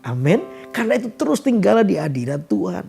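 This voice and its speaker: A man preaching a sermon as a pastor, telling a story with lively swings between loud emphasis and soft murmurs. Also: high voice, quick pace, gravelly. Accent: Indonesian. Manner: animated storytelling, drops to soft murmurs when quoting. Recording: guitar music behind.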